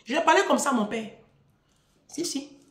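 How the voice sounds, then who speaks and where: A woman with an Ivorian French accent delivering an animated, mocking monologue, lecturing and repeating phrases for emphasis. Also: high-pitched, a little fast. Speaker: video creator addressing the diaspora. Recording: echoey room.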